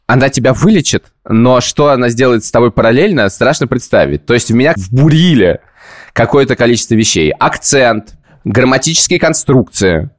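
Guy rambling through his stories, self-mocking, mid-pitch voice, podcast chat. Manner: rambling, self-ironic storytelling. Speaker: podcast host.

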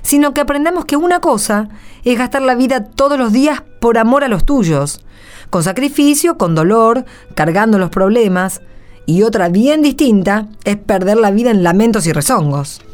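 A firm rural Argentine mother played by a woman in a radio drama. Her voice sits fairly high and she speaks with earnest, admonishing authority. Music plays lightly underneath. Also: animated, normal speed, a little mellow, lightly acted. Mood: stern, earnest. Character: firm, hard-working rural mother scolding her son.

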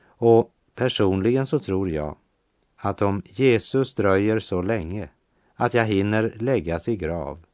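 A man preaching a sermon on a Bible passage in a calm, measured way, slowing down to stress key phrases. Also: low-pitched, no echo, clean studio sound.

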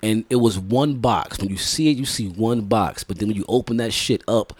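A man's voice: lowish voice, normal speed, a little mellow, husky, dry recording. A man hosting a podcast, a little congested, trading playful slangy banter in casual chat. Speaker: podcast host.

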